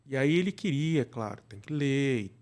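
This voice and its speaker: A Brazilian man speaking as an interview guest, explaining things casually and haltingly, often checking that he is followed. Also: mid-range voice, animated, a little mellow. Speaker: podcast guest, radio drama producer.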